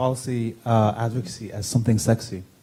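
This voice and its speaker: Speaking with a non-native accent, a man holds a medium pitch. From Middle East (Palestinian-Syrian). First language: not English. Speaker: media advocacy panelist. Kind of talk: conference panel answer. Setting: conference panel room.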